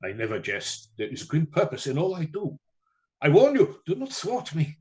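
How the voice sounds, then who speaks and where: Older Germanic professor, slightly high voice, grave, commanding, fatherly, theatrical radio drama. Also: huge pitch swings, normal speed, a little mellow. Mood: grim, forceful. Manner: stilted foreign phrasing, commanding yet fatherly.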